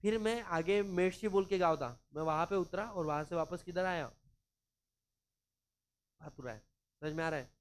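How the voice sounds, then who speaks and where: A man's voice: high-pitched, normal speed, pauses often. A man from Maharashtra, teaching law in a chatty, informal lecture, mixing in English and acting out anecdotes. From Maharashtra, India. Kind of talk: casual classroom lecture.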